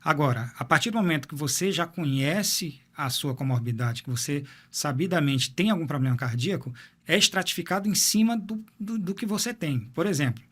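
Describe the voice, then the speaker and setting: A man's voice: on the high side, expressive, fairly quick, hardly any pauses, a bit bright, slightly rough. Male cardiologist explaining. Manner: explanatory, repeats words while thinking. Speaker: cardiologist guest. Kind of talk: medical interview.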